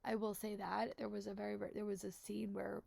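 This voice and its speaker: A woman's voice: medium pitch, level tone, fairly quick, gravelly, darkish tone, no echo. A woman book vlogger with a stuffy cold, chatting casually and repeating words with lots of fillers. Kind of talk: casual chat to camera.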